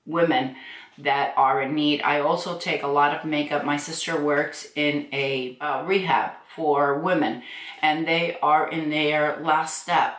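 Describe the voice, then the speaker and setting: A woman's voice: low voice, fairly even intonation, a little slow, fairly bright tone. A woman in her sixties chatting on her beauty vlog as she answers viewer comments, laughing often and speaking frankly. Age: 60s. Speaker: beauty vlogger. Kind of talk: casual chat reading viewer comments. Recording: echoey room.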